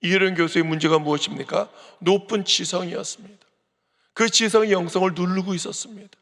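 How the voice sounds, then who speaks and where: A pastor preaching an early-morning sermon, speaking with emphasis and building to forceful declarations. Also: male voice, high voice, fairly even intonation, a little fast, vocal fry, long reverb tail.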